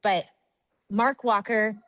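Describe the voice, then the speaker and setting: A woman giving an energetic, chatty sales training talk, often calling her audience "guys". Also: mid-range voice, takes it slowly, dry recording, poor audio. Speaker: network marketing trainer.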